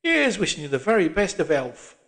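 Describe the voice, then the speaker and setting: A man putting on a gruff old man. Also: high-pitched, sing-song, fairly quick, fairly bright tone, voice pushed up, exaggerated voice. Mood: grumbling. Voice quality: gruff, pugnacious. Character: grumbling old working-class London man. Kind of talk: audiobook character voice.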